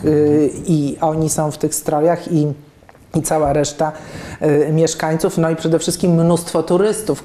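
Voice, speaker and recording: A woman in her fifties with a low, dark and even voice speaks in an echoey office. She interviews a guest, pausing often with fillers and restarting her sentences. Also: a little hiss or hum. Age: 50s. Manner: hesitant, many fillers and restarts. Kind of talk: conversational interview. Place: office room with plants and bookshelves.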